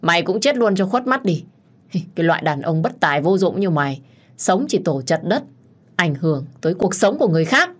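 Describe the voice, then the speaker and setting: A woman voicing a crazed, violent young man with a knife, shouting menacingly. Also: fairly low pitch, big pitch swings, fairly quick, slightly rough. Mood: furious.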